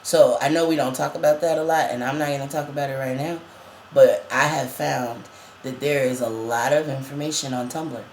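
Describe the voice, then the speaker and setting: A man's voice: medium pitch, steady tone, moderate pace, reverberant, slight background noise. Chatty trans man with a cracking voice. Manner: chatty, laughs often, many fillers. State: voice cracking, going up and down. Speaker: vlogger. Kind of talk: casual chat.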